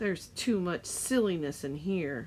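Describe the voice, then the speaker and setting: A booming, put-on character voice at a middle pitch moves along at a moderate pace. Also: female-sounding voice. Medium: read story. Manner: dry, playful humor.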